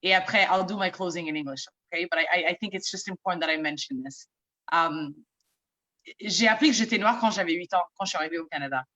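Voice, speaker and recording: A woman's voice: lowish voice, brisk, bright, forceful tone, muffled recording. Earnest Somali-born woman on a video panel. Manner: earnest, repeats words while searching for them. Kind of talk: panel discussion remarks. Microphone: video call.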